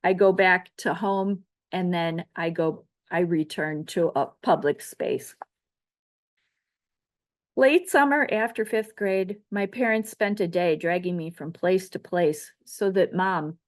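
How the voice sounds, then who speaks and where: A middle-aged woman from the Chicago area, reading her own memoir essay aloud in a measured, reflective way. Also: on the low side. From Chicago area, United States. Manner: measured, reflective delivery of a prepared text. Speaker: author.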